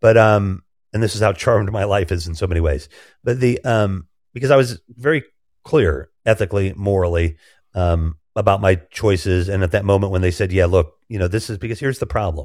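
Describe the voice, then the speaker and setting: With an American accent and a normal speaking voice, a man talks at a fairly quick pace with fairly low pitch and ordinary pitch variation, on a very clean recording with a silent background. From US Midwest. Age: 50s. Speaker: podcaster. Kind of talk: casual chat.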